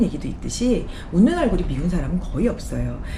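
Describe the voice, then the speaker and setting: Over noticeable background noise and audible room echo, a woman talks at a very fast pace with very wide pitch swings. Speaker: image stylist. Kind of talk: tutorial.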